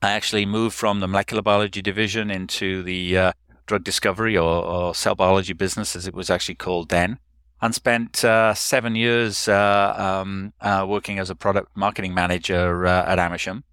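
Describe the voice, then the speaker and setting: A man's voice: sits low, little pitch movement, a little fast, a bit bright, clean tone, no room sound, clean studio sound. A man in his fifties with a Welsh accent, a podcast guest telling his career story in a conversational way with frequent hesitations and fillers. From South Wales. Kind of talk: conversational interview.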